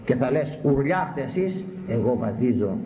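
A man preaching a sermon, repeating words for emphasis and swinging between high exclamations and low, grave phrases. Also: lively intonation, warm tone, muffled recording. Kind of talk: sermon on a Bible passage. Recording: echoey hall, faint background noise.

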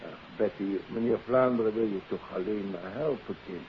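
A man's voice: on the low side, moderate pace, lightly acted. Polite radio doctor and father played by an actor. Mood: polite, coaxing. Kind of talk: 1950s Dutch radio drama acting. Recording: hissy, muffled old radio recording.

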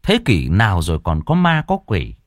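A man's voice: sits low, huge pitch swings, normal speed, dry recording, clean studio sound. A man voicing a short-tempered older father who grumbles and curses at his son. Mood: grumbling. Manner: grumbling, cursing.

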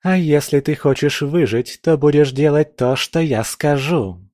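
A man's voice: mid-range voice, unhurried, no room sound, clean studio sound, pitched above the performer's own voice, lightly acted. A man voicing a haughty, scornful young princess who mocks and barks orders. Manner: mocking, imperious, shouting.

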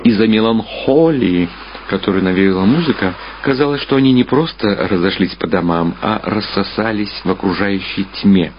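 A man's voice: lowish voice, moderate pace, noisy background. A man reading scripted literary narration as the narrator of an audio drama. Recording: dull lo-fi sound under loud music. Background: loud music.

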